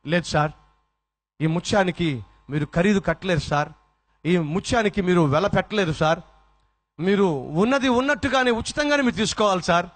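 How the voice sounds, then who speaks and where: A man's voice: sits high, lively intonation, normal speed, pauses often. A man voicing a humble grieving male servant who keeps begging his master and repeating "sir". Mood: pleading.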